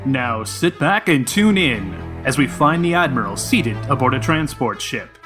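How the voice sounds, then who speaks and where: An actor playing a grandiose, theatrical announcer of a heroic space adventure serial, in old-time radio style. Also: male voice, mid-range voice, expressive, unhurried, lightly acted. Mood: dramatic, suspenseful. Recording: music behind the voice.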